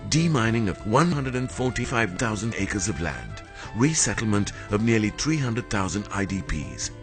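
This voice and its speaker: A man reading a formal, scripted documentary narration in a measured way. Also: lowish voice.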